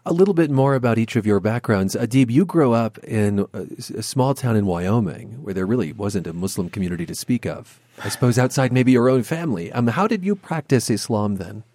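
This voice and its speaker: A man hosting a panel discussion, calmly reading quotes and asking guests questions. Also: on the low side, fairly quick, hardly any pauses, no echo, clean studio sound. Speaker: host.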